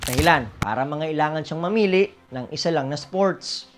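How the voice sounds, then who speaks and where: A man's voice: on the high side, fairly quick. A man with a Filipino accent reading scripted documentary narration as a reporter. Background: music bed.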